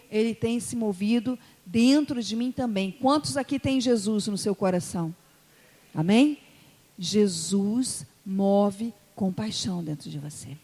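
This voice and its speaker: Preaching her sermon through stories, a woman pastor from Espírito Santo, Brazil, speaks Brazilian Portuguese in a mid-range voice. She swings from soft side remarks to loud emotional climaxes, all echoing with long hall reverb.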